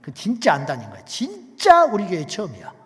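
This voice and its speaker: A man with a high-set voice delivers a sermon as a pastor, pushing hard on key lines and pulling back to a hush. His words ring out with a long tail of reverb, as in a large church sanctuary. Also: huge pitch swings, brisk. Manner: emphatic, swings from hushed to loud, rhetorical questions.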